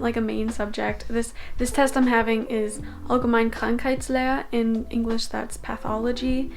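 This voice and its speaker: A young woman from Canada chats to her vlog camera with a slightly high voice. She rambles easily, dropping fillers and small laughs. Soft music plays underneath. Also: vocal fry. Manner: chatty, filler-heavy, laughs often. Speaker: vlogger. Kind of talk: casual vlog talk to camera.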